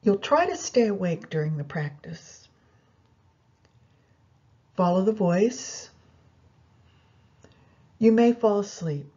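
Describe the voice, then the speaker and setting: Mellow, slightly husky woman guiding meditation. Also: medium pitch, lively intonation, takes it slowly, pauses often, lo-fi sound. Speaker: yoga nidra meditation guide. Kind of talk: guided meditation instruction, spoken gently to listeners.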